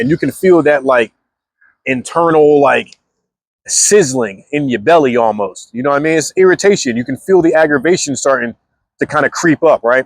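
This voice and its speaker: A man's fairly high voice with lively intonation, in a dry, close sound with no echo. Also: moderate pace. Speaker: fitness and self-improvement vlogger. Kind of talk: casual vlog monologue. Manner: casual, conversational with repetitions.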